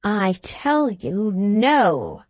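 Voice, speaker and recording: A woman voicing a malicious, gleeful dwarf husband from a storybook, taunting with drawn-out, emphatic words. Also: medium pitch, very animated, darkish tone, dry recording, muffled recording. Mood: threatening, roaring.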